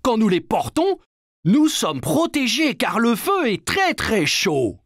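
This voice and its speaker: A man's voice: high-pitched, wildly swooping pitch, takes it slowly, no echo, studio quality, exaggerated voice. A man voicing a friendly, hearty firefighter in a French-dubbed children's cartoon, explaining things simply and encouragingly to kids. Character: friendly, jovial adult male firefighter showing children around.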